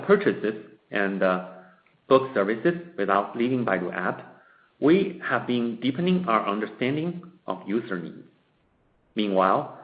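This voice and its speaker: A man presenting as a company executive, reading a scripted corporate statement in formal, measured short phrases on a conference call. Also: lowish voice. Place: conference call in a roomy space. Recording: dull, echoey conference-call audio.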